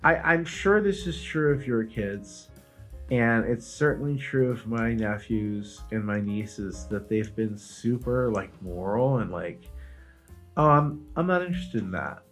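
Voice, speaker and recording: A man's voice: medium pitch, expressive, a little slow, fairly bright tone, soft background music. A middle-aged man co-hosting a comedy podcast, rambling in casual chat with many fillers and restarts. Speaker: podcast co-host.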